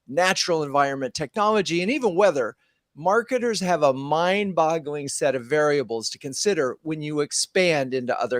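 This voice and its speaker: A man's voice: a little high, no echo. A man hosting a live streamed marketing show from his home studio, upbeat, moving from a scripted welcome into chatty questions. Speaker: host.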